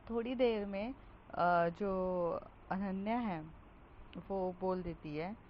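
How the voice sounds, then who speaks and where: A woman telling a love story casually, in a conversational way with pauses and fillers. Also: medium pitch. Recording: dull recording with faint hiss.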